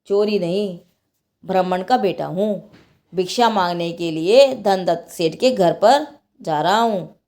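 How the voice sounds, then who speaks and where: A woman's voice: on the low side, unhurried, warm tone. A woman voicing a timid, anxious young man in a told story, humble and pleading. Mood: frightened pleading.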